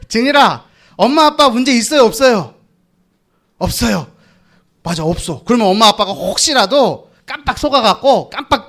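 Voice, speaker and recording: A young man preaching to a room of children with a strikingly high voice. He leads call and response, coaxing the kids to repeat each line after him. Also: fairly bright tone. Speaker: children's pastor. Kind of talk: children's sermon.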